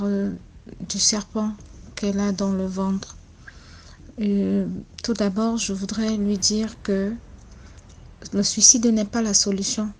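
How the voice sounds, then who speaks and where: Cameroonian woman caller, slow and soft, hesitant personal testimony, faint noise behind. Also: medium pitch. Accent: Cameroonian French. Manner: speaks softly and slowly, with many hesitations. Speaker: caller sharing a story.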